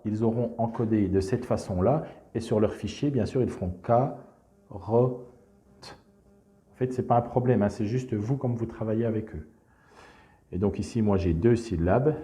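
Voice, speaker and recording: In an instructional screencast, a male teacher presents a reading method, calmly guiding other teachers step by step through a classroom exercise. His voice is fairly low, and he fills his explanation with frequent "donc" and "hein".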